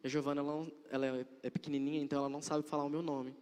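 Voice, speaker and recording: A man's voice: on the high side, little pitch movement, very fast, darkish tone, clean tone. A young man giving an earnest religious testimony, repeating phrases for emphasis. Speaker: church member giving testimony. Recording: long hall reverb.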